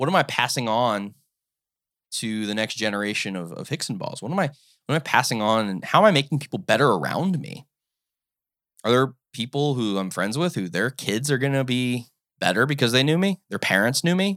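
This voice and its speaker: With an American accent, a man of medium pitch talks at a fairly quick pace with very wide pitch swings. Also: very clean recording, silent background. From Ohio, US. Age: 20s. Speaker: podcast host. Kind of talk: solo podcast monologue. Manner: casual, filler-heavy.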